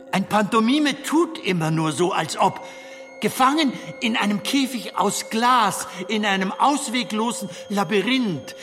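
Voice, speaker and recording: A man playing a playful, eager comedian in a theatrical audio drama, coaxing and teasing his companion. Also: sits high. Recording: long reverberant hall, music behind.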